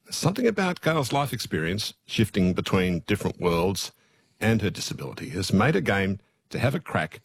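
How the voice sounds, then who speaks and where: A man hosts a radio interview in a very low, slightly husky voice. His pitch moves in a lively way as he asks gentle questions and laughs easily. The sound is dry and close. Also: no echo.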